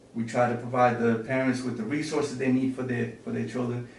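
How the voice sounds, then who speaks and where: Someone with an American accent talks at a fairly quick pace amid noticeable background noise and audible room echo. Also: man. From Cape Verdean community, Boston area. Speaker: community organizer. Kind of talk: casual interview.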